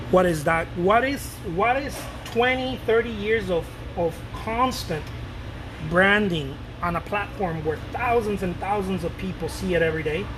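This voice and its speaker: In a casual, rambling piece to camera, a painter in his late thirties addresses his viewers with a fairly high voice and a loose, animated delivery. He repeats words and swears casually, while an air-conditioning unit hums steadily and audibly behind him.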